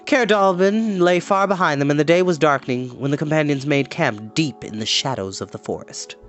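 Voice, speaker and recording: A man reading a storybook aloud as an expressive narrator. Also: fairly high pitch, fairly quick, soft background music. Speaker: storyteller, host.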